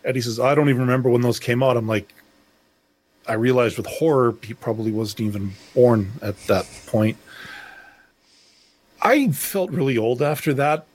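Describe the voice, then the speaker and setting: A man's voice: mid-range voice, normal speed, pauses often, darkish tone, slightly rough, dry recording. A middle-aged man co-hosting a podcast, talking in a rambling, reflective way with many restarts. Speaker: podcast co-host. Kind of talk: casual discussion.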